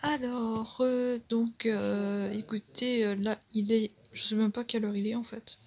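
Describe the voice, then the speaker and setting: A woman's voice: fairly high pitch, flat delivery, a little slow, a little hiss or hum. A woman in her thirties vlogging casually from home, rambling with lots of hesitations, recorded on a phone's microphone. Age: 30s. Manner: rambling, hesitant, full of fillers and restarts. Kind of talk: casual vlog chat to camera.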